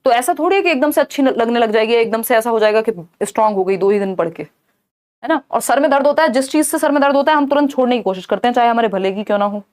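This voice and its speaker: A young woman teaching a live online exam-prep class, reading questions aloud slowly and answering viewers by name in a chatty, tired way. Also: fairly high pitch, expressive, a little mellow. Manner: explains in Hindi mixed with English, reads questions aloud slowly.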